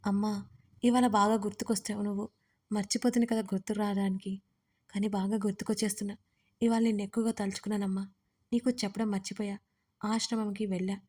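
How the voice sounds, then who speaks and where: A woman's voice: mid-range voice, level tone, quick pace, pauses often, close to an everyday voice. A woman voicing a grieving, guarded young woman who answers sharply and firmly, in an audio story. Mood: tearful. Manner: tearful, then sharp and firm.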